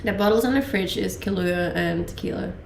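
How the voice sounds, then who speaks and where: A young woman from Denmark with a mixed Danish and Australian accent, chatting casually with stream viewers, relaxed and laughing, a little under the weather. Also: medium pitch, fairly quick, creaky, echoey room, a little hiss or hum. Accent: Danish-Australian mix. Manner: relaxed, laughing, many fillers. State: a little sick. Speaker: livestreamer. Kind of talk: casual chat reading viewer questions.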